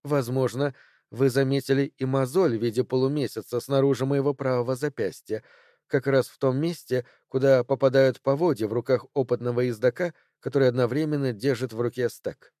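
Brief: poised, clever young woman, calm and measured, low mellow voice, dry sound, read by a male narrator. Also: no room sound, lightly acted. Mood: composed. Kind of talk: audiobook character voice.

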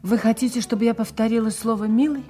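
An actress playing a cynical, seductive cabaret singer in an audio drama, with a languid, teasing delivery. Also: female voice, a little high, fairly even intonation, quick pace, warm tone, soft background music, natural voice. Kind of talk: dramatic audio play dialogue.

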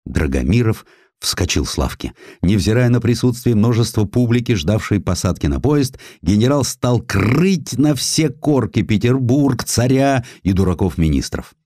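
A man reading a historical sketch as a dramatic audiobook narrator, expressive and emphatic, with deliberate pauses. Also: mid-range voice, no room sound, studio quality.

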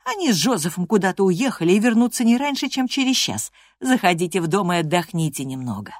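A woman's voice: on the low side, very animated, fast talker, dry recording, clean studio sound, voice pushed up. A woman voicing a kindly, folksy village housemaid in a storybook reading. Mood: reassuring.

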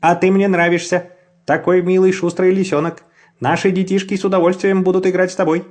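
A man playing a loud, boisterous farmer in a storybook. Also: high voice, level tone, a little fast, voice pushed up. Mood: hearty.

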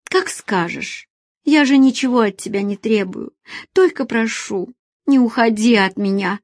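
A desperate woman begs through tears in a high, trembling voice, as a female narrator puts her on. She is a heartbroken lover in a spoken story, her words weepy and urgent. The sound is dry and close. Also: unhurried, a little mellow, no room sound. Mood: pleading. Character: tearful pleading woman, desperate former lover.

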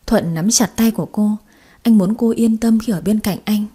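A woman narrating a dramatic story in an even, measured way. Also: mid-range voice, slightly rough.

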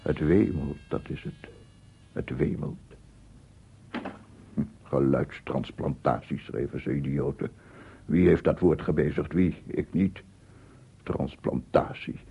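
A narrow, noisy old radio play recording carries a paranoid man obsessed with sound. His voice is low and gravelly. He mutters bitterly to himself, repeats his words and swells into theatrical proclamations. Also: slow pace, pauses often, heavily acted. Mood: indignant muttering. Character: paranoid, obsessive male amateur sound researcher, unhinged and embittered. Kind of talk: radio drama monologue.

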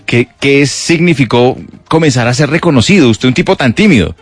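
A man's voice: mid-range voice, animated, fairly quick, breathy edge, no room sound, soft background music. A man from Colombia hosting a radio interview, asking questions in a friendly way and giving short replies. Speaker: radio host. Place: radio studio.

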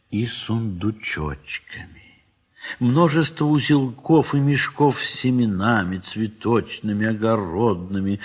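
A man narrating a classic literary story for an audio play in a measured, expressive manner, with a husky voice. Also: fairly low pitch. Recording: 1970s mono studio recording.

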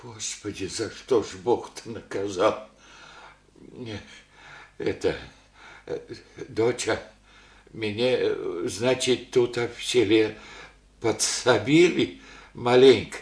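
An actor playing a humble, elderly widowed village father who speaks in halting rustic phrases full of fillers. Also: on the low side, reverberant. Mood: rambling. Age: older. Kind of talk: archival Soviet radio play acting.

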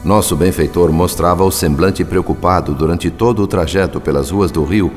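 An actor playing a grave, observant male narrator of spirit-world events in a radio drama, with literary, deliberate delivery. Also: sits low, darkish tone, soft background music, close to an everyday voice. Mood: grave storytelling.

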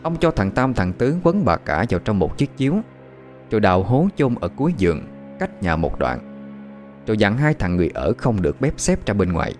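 A man's voice: fairly low pitch, big pitch swings, brisk, darkish tone, soft background music. A man narrating a horror audio story in a dramatic storytelling manner.

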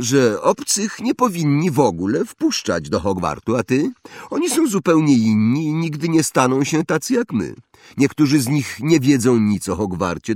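A man's voice: medium pitch, no room sound, clean studio sound, voice pushed up. A man voicing an arrogant, snobbish young wizard boy who boasts and mocks. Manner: boastful, mocking.

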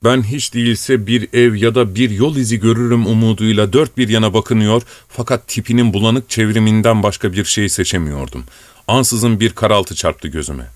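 A man narrating an audiobook in a measured, storytelling manner. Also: on the low side, no room sound. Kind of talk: scripted narration.

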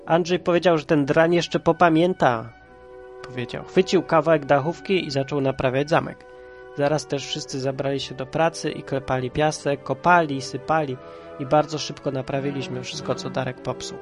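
A stuffy-nosed man with a head cold reads a children's story in a lively, playful way. His voice sits a little high, with faint music behind him. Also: moderate pace. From Kraków, Poland. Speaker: storyteller and podcast host. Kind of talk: reading a children's story aloud.

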